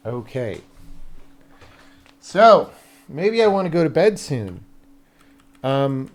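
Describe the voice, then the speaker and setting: A man's voice: on the high side, very animated, slow. A man live-streaming as a game developer, chatting casually and thinking aloud as he works, often muttering questions to himself. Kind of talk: casual livestream chat, thinking aloud while working.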